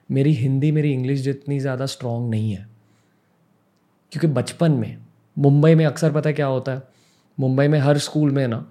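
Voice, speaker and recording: A man's voice: mid-range voice, mellow. A young man from Mumbai, a podcast host, telling a personal story in an earnest, reflective way and mixing in English words. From Mumbai, India.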